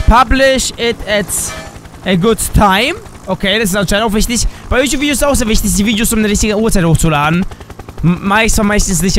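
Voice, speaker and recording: Excitable young man with a cold. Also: sits high. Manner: excitable, jokey, switches between shouts and drawn-out slow words. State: has a cold, dry voice. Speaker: gaming YouTuber. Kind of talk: energetic let's-play commentary.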